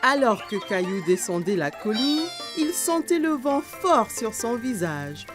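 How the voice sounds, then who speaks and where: A woman's voice: a little high, sing-song, measured pace, music in the background. A woman narrating a scripted children's cartoon story.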